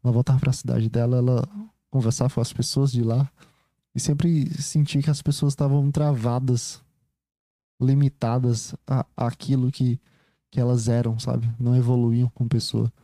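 A man with a Brazilian Portuguese accent rambles through a casual, reflective monologue, thinking out loud. His medium-pitched voice is very dark and mellow, recorded close and dry, and he hesitates often, restarts sentences, and keeps adding "you know?" to check in with the listener.

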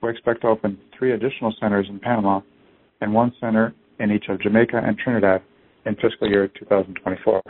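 A man's voice: fairly low pitch, level tone, quick pace, a little hiss or hum. A man reading a scripted business presentation as a company executive on an earnings conference call. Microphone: conference call phone line. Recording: narrow tinny phone-line audio.

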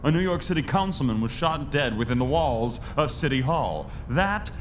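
An actor playing an indignant, snide and pompous city politician in a theatrical pulp radio drama style. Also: male voice, medium pitch, very animated, normal speed, slight background noise, natural voice. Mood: snide, mocking.

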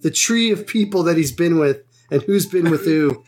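Husky, animated joking man. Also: on the high side, moderate pace. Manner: playful, exaggerated jokes. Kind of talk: joking banter.

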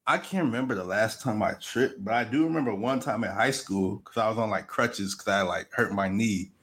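A young man co-hosting a podcast, telling stories in a relaxed, slangy, unhurried way. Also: fairly low pitch. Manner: laid-back slang storytelling, drawn-out. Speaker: podcast co-host. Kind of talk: casual chat.

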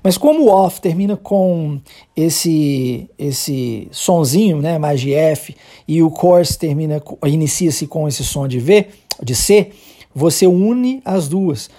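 Mellow, husky Brazilian teacher drilling phrases. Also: medium pitch, expressive. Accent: Brazilian Portuguese. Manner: explains patiently, then models phrases slowly and repeats them as drills. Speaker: English teacher. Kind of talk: podcast language lesson.

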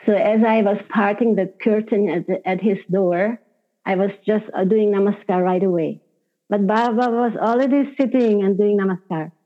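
Older woman w telling old stories, lots of soft laughs and "you know", sounds like its over the phone. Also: mid-range voice, steady tone. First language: Hungarian. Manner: unhurried and warm, with soft laughs and many "you know" fillers. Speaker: spiritual teacher. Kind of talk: recounting personal memories in an interview. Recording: tinny phone-like audio.

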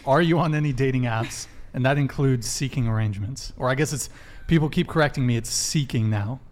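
A man's voice: mid-range voice, fairly quick. Brash joking man hosting a podcast. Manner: brash, joking, rattles off announcements. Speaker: podcast host. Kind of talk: casual live podcast hosting. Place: podcast studio around a table.

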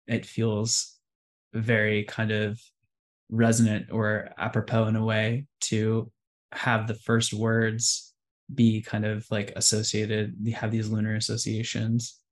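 Flat-voiced podcast host, man. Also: lowish voice. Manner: even, gentle, affirming listener. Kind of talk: casual interview.

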